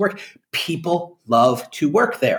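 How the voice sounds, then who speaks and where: Lively intonation and an animated tone mark this man's high-pitched voice. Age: 50s. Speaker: author of a business book. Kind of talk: podcast interview.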